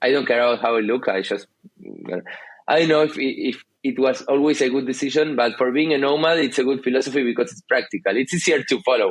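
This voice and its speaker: A man with a Spanish accent talks very fast, his fairly high voice held to a fairly even intonation. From Argentina, Buenos Aires. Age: 30s. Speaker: entrepreneur. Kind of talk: podcast interview. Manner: halting.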